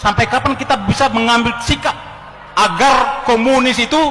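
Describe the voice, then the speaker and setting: Amid noticeable background noise, a man with an extremely high pitch speaks in a raised, projected voice at a moderate pace, his pitch variation ordinary. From Ternate, North Maluku. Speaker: former army officer. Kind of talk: audience question at a public forum. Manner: hesitant with fillers.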